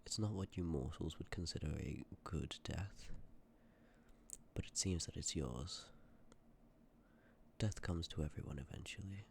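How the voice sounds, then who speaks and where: A man playing a sympathetic, courteous Death in an ASMR roleplay, speaking with measured, formal politeness and often dropping toward a breathy whisper. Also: a bass voice, a little mellow, slight background noise, exaggerated voice. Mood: gentle, solemn. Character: sympathetic, courteous personification of Death, calm and ancient. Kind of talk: ASMR roleplay, scripted acting addressed to listener.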